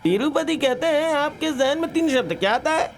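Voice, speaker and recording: A man dubbing a fussy, nosy male customer at a snack stall in a film, in a high, drawn-out voice. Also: expressive, vocal fry, a little hiss or hum, full character voice. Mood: teasing. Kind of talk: Hindi film dub.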